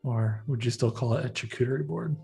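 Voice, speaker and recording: A man co-hosts a live stream in easy, casual chat, laughing often and reading viewer comments aloud. His voice sits at a middle pitch. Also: brisk, creaky, warm tone, faint music behind. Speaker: livestream co-host.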